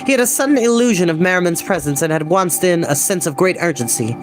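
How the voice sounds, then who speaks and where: A man reading a storybook aloud as host, narrating deliberately with dramatic pauses, music playing behind him. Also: high-pitched, lively intonation.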